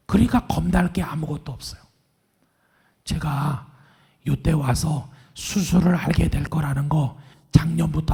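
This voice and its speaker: A middle-aged male pastor preaching a sermon in a hoarse, raspy, half-whispered voice after vocal cord surgery, calm and earnest. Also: on the high side. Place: large church sanctuary. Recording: long church hall reverb.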